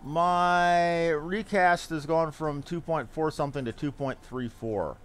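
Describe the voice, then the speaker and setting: Slow and slightly high-voiced, this streamer offers loose, wandering commentary on his game, voicing his thoughts as they come. Video game music runs underneath.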